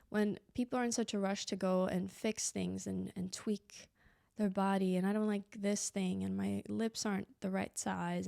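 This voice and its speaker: Young woman talking on her podcast, a bit stuffy and lispy, medium pitch, dry close sound. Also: a little mellow, dry recording. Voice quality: a bit lispy from a clear aligner. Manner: reflective, conversational, many fillers and asides. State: slightly stuffy from allergies. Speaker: podcast host. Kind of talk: casual solo podcast monologue.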